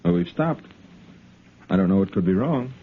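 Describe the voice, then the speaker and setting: An actor playing a calm, firm and good-humored army lieutenant in a 1950s radio drama. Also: male voice, on the low side, normal speed. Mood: steady. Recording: tinny, hissy 1950s radio broadcast.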